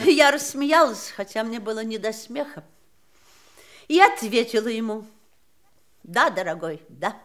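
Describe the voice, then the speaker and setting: An actress playing an elderly, bitter wife of a dying man in an audio drama, measured, reflective and dryly ironic. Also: on the high side, expressive, fairly bright tone. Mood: wry reminiscence. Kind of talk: stage-style audio drama acting.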